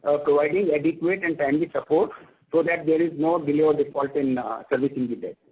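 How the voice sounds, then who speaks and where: Husky Indian man on a phone line. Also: a little high, quick pace. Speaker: company finance executive. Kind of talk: answering analyst questions on an earnings call. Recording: tinny narrowband conference phone line.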